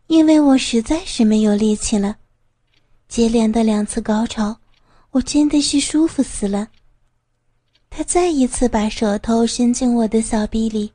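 A woman narrating a first-person adult audio story in an intimate, breathy manner. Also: a little high, mellow, dry recording.

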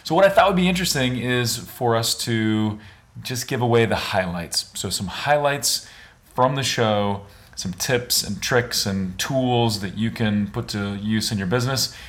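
A man hosting a podcast in a casual, upbeat way, his voice a bit raspy from days of talking at a conference. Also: medium pitch, a little slow, fairly bright tone. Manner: upbeat, conversational, with frequent fillers. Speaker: podcast host. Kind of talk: casual podcast chat with read ad. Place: on location at a conference.

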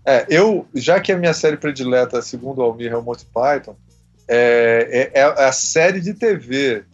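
A man's voice: medium pitch, lively intonation, moderate pace, faint music behind. Swearing man on a lo-fi call. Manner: profane, laid-back, trailing off mid-sentence. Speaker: podcast co-host. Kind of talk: casual chat among friends. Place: at home, on a video call. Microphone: video call.

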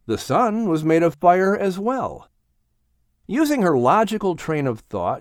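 A man narrating a children's animal story as an audiobook reader, in an expressive scripted storytelling style. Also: fairly high pitch, no room sound, studio quality.

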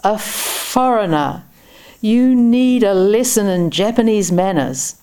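A woman's voice: medium pitch, lively intonation, slow, smooth, pitched above the performer's own voice. A woman reading a story aloud, voicing a big, belligerent drunk male labourer who bellows his lines. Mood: angry. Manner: loud, bellowing, hostile.

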